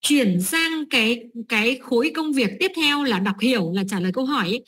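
Middle-aged woman walking teachers through a lesson plan, bit high voice, keeps asking right?. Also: lively intonation, brisk, fairly bright tone, husky. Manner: explanatory, many fillers and rhetorical checks. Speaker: teacher trainer. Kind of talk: training talk to teachers.

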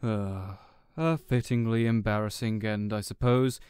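A man playing a smug, contemptuous supervillain in an audio roleplay, speaking in a deliberate, condescending way. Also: fairly low pitch, steady tone, a little mellow, smooth, no echo, clean studio sound, close to an everyday voice. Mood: scornful. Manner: deliberate, condescending, theatrical monologuing. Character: smug, contemptuous male supervillain gloating over a beaten rival. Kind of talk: audio roleplay villain acting.

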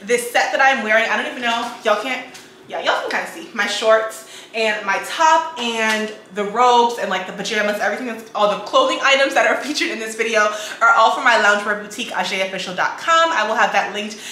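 A young woman, a bit hoarse from a cold, chatting casually to her viewers from her home kitchen. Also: fairly high pitch, brisk, sharp tone. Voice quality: raspy. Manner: chatty, addresses viewers as guys and y'all. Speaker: lifestyle vlogger. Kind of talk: casual chat to camera. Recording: echoey kitchen with faint noise.

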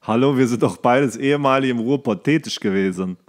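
A man's voice: medium pitch, fairly quick. A man chatting casually as a podcast host, making joking running commentary on a show he is watching.

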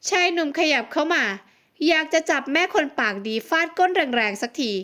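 A woman narrating a romance audiobook in a steady, expressive reading. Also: high-pitched, normal speed. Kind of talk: scripted narration.

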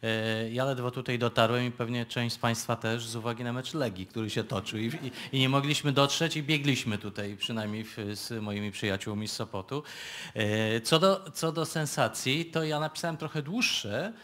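A man speaking as a guest author, giving an unscripted, halting answer with repeated words. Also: mid-range voice, a bit bright. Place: radio studio with live audience.

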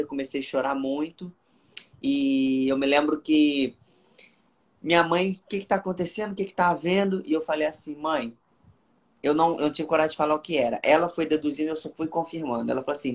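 A young man from Rio de Janeiro with a Carioca accent, giving an earnest personal testimony in an interview and acting out the dialogue as he tells it. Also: on the high side. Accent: Carioca Brazilian Portuguese. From Rio de Janeiro, Brazil. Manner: earnest storytelling, reenacting dialogue.

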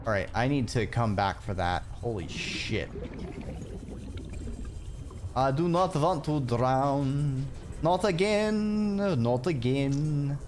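A man's voice: mid-range voice, lively intonation, takes it slowly, pauses often, a little mellow, a little hiss or hum. A man livestreaming a video game with casual, rambling, hesitant commentary.

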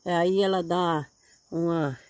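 A woman's voice: fairly low pitch, steady tone, takes it slowly, a little mellow, no room sound. Grandmother in her seventies, folksy and chatty, outdoors in a hillside garden, dry sound. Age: 70s. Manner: chatty, folksy, keeps saying "look here", religious exclamations. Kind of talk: casual chat while tending plants.

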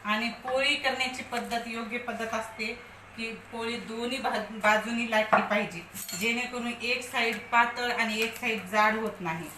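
A woman's voice: on the high side, fairly even intonation, normal speed, sharp tone, reverberant, a little hiss or hum. A woman, talking viewers through home cooking in a chatty, step-by-step way. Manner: scolding and coaxing a pet dog. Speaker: vlogger.

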